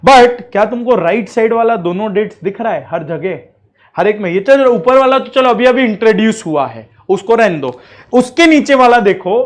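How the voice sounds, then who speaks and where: A man gives a classroom law lecture in a fairly high voice. He mixes English legal terms into his speech. He keeps checking that the students are following. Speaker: teacher.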